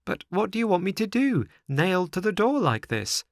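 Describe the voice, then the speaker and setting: Storybook puppet boy, played by a man: young, impatient, dramatic, begging, pitched high with big swings. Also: big pitch swings, normal speed, no echo, studio quality. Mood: pleading. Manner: pleading, exclamatory.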